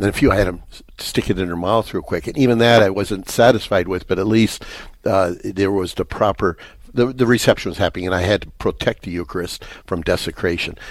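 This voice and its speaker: A man with a Midwestern US accent talks in a fairly low pitch. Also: ordinary pitch variation, fairly quick pace. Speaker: priest. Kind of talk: radio call-in Q&A. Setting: studio.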